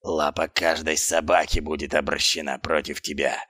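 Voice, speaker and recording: A man voicing a big, menacing male dog who leads a street pack, speaking slowly and quietly. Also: level tone, no echo, clean studio sound, exaggerated voice. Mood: commanding. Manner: slow, low, quietly menacing. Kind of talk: audiobook character voice.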